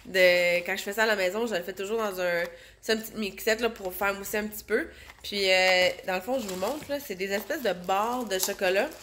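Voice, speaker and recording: A Québécois woman in her thirties vlogs from her phone at home, with a nasal, stuffed-up voice from a cold. Her voice sits at an average pitch. She rambles casually and fills her pauses often, against a faint room hum. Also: a bit bright. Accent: Québécois French. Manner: chatty, rambling, lots of fillers. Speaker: vlogger, stay-at-home mom. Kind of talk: casual chat to camera. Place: home, indoors. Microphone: handheld phone.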